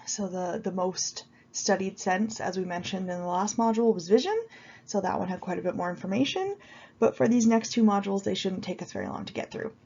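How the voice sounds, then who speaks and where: A woman's voice: medium pitch, a little fast, creaky, dark tone, breathy edge, muffled recording. A woman lecturer with a cold, sounding a bit sniffly, explaining course material in a casual recorded video lecture with frequent ums and restarts. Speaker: university lecturer.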